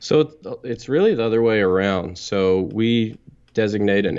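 A man speaks with a Texan accent. He keeps a moderate pace and fairly even intonation. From North Texas. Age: 20s. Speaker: oil and gas investment executive. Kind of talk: interview.

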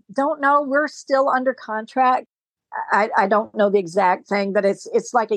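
A woman's normal speaking voice, dry and close with no echo, at a moderate pace with ordinary pitch variation. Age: 50s. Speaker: bishop and exorcist. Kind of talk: interview.

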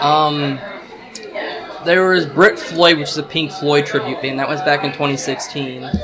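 With an American accent, a man speaks at a fairly slow pace and a fairly high pitch. Crowd noise fills the background, and room echo is audible. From Iowa, US Midwest. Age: 20s. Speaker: animator. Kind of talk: casual interview. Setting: film festival after party.

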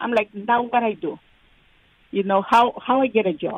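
A woman speaks in a high pitch with a Guatemalan accent. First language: Spanish. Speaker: guest, immigrant and mother. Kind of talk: interview telling personal story. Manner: halting, hesitant.

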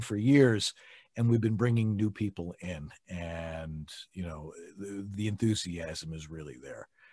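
A plain, everyday voice with an American accent and lively intonation, on a very clean recording with a silent background. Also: man. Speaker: voice-over home studio consultant and voice actor. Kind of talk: casual interview.

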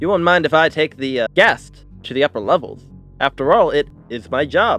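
A man puts on a robotic, squeaky character voice with a fairly high pitch. He speaks at a moderate pace over faint music in the background. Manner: polite, helpful.

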